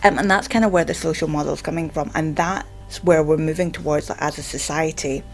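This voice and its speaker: Low-pitched Scottish woman with a stammer. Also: steady tone, creaky, soft background music. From Scotland. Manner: halting, with frequent repeated filler words. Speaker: vlogger and stammering advocate. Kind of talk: informal explainer to camera.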